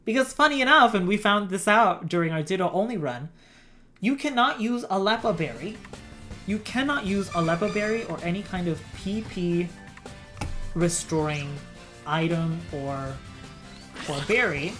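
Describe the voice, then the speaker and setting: A woman's voice: mid-range voice, animated, moderate pace, over music. A woman streaming a game, explaining game mechanics in a rambling, giggly way. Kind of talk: casual gameplay stream chat.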